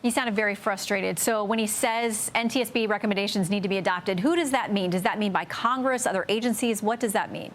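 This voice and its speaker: Casting note: female anchor, mid-pitched voice, crisp questioning, faint noise behind. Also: brisk, few pauses. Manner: clear, structured questioning. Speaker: news anchor. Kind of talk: TV news interview questions.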